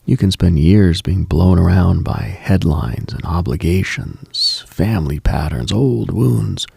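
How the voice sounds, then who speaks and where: A man hosting a late-night radio show, speaking in a slow, reflective monologue that often sinks into a whisper and lists ideas in short measured phrases. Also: darkish tone, no echo, studio quality. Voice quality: gravelly low voice, often dropping to a whisper.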